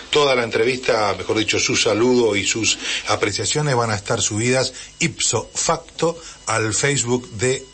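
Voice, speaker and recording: A man's voice: mid-range voice, fairly bright tone. A man hosting a community radio show, chatting with co-hosts and laughing easily. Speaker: radio host.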